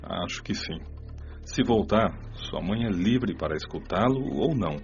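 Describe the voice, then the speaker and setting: A man playing a calm, wise spirit mentor in a radio drama, speaking in a composed, instructive way. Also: deep voice, measured pace. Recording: dull lo-fi audio with clear music.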